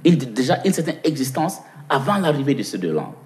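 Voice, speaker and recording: A man's voice: mid-range voice, big pitch swings, fairly quick, darkish tone. A man from Cameroon with an English-speaking Cameroonian accent, answering interview questions at length. He often repeats words as he searches for them and asks himself questions before he answers. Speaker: interview guest.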